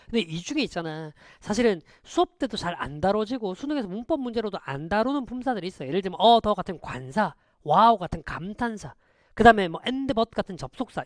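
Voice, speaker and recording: A man teaching an online lecture, quizzing students with quick rhetorical questions and switching between polite and casual speech. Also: sits high, no echo, studio quality. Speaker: English teacher.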